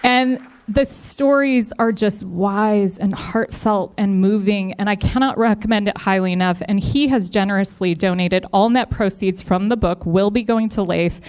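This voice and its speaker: A woman's voice: mid-range voice, normal speed, hardly any pauses, a little mellow, clear, resonant tone, some chatter behind. A woman giving an upbeat, encouraging speech at a live community event, thanking donors and promoting a fundraiser. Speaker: foundation representative speaking at a district event.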